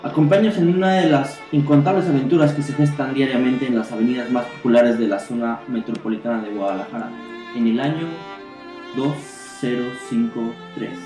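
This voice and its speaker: A man's voice: mid-range voice, steady tone, a little fast. A man with a Mexican accent narrating a dramatic, old-time style radio serial. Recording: echoey voice over string music.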